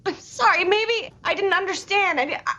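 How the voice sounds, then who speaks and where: A hurt, estranged daughter trying to reach her father. Her very high, bright voice stumbles and pleads. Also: moderate pace. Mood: pleading. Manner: hesitant, pleading.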